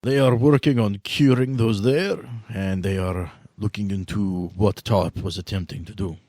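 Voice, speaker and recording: A man voicing a courtly, shrewd old vampire power broker, speaking in stiff, formal, deliberate phrases. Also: on the low side, mellow, no room sound, clean studio sound, natural voice. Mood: guarded, confiding. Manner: formal, deliberate, avoids contractions. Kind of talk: in-character tabletop roleplay.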